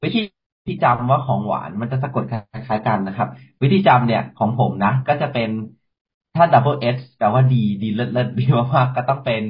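A man co-hosting a radio chat, sharing tips in a steady, polite way. His voice sits at an average pitch. The sound is dull and lo-fi. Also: moderate pace. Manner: explains steadily, ends phrases with polite particles. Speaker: radio co-host.

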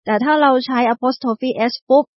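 A woman co-hosting an English lesson on a talk show, patiently explaining pronunciation and slowly modelling English phrases. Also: sits high, fairly even intonation, dry recording, dull audio. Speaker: English teacher co-host. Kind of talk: radio English lesson chat.

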